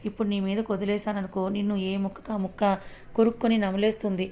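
A woman's voice: medium pitch, flat delivery, fast, dark tone, close to an everyday voice. A woman doing a menacing possessive young man. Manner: boastful, menacing.

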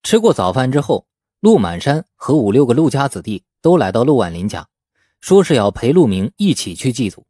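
A man narrating a novel as a scripted audiobook, in an expressive storytelling manner. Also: medium pitch, a little fast, slightly rough, no room sound, studio quality.

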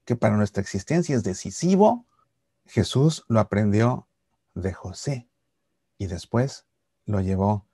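A middle-aged man giving a Catholic reflection to camera, explaining patiently and slowing for solemn lines. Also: fairly low pitch, expressive, husky, no echo, clean studio sound. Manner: warm explanatory storytelling, slows for solemn lines. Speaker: Catholic YouTuber. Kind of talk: reflective religious talk to camera. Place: Seattle archdiocese series.

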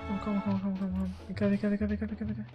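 A young Brazilian man hosting excited gameplay chat, who yells sudden high bursts of "no" and mutters low in between. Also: rapid-fire, dull audio, soft background music. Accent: Brazilian Portuguese. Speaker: gaming YouTuber host.

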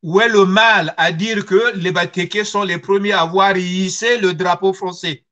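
High-pitched, slow Congolese man. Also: fairly even intonation, sharp tone. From Congo-Brazzaville. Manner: earnest, emphatic, rhetorical questions. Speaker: guest speaker. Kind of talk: personal testimony on history and identity. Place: small furnished room at home, video call.

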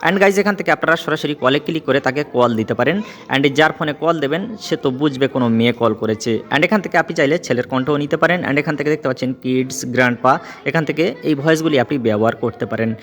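Fast, reverb-heavy male tech tutorial host. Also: fairly high pitch, fairly bright tone. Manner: emphatic, repetitive, mixes in English connectives. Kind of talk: step-by-step app tutorial narration. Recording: long reverberant echo on voice.

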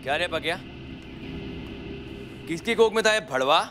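A man's voice: fairly high pitch, animated, moderate pace, natural voice. An actor playing a vengeful young gangster who taunts and berates a policeman with contempt. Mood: taunting. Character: vengeful young male gangster, menacing, bitter. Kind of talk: stage-style TV drama acting. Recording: drama with loud background music.

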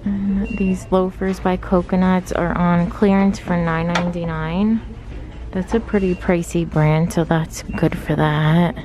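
A woman narrating a casual shopping vlog, calmly listing items and prices as she walks through a large store while filming on a phone. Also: a little slow. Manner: low-key, steady price-listing commentary. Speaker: shopping vlogger. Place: large retail store, indoors. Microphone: handheld phone camera. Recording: store noise in background. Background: store ambience noise.

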